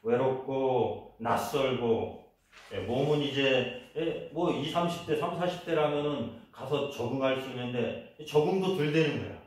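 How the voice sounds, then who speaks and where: A man's voice: medium pitch, measured pace. A man preaching a sermon as a pastor, telling a personal story and leading the congregation in repetition. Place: church. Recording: echoey church hall, voice from a distance.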